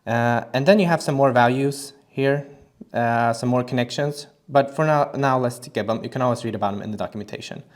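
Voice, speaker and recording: A man presenting a casual screen-recorded software tutorial, talking in a relaxed way with frequent fillers and restarts. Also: medium pitch, fairly quick.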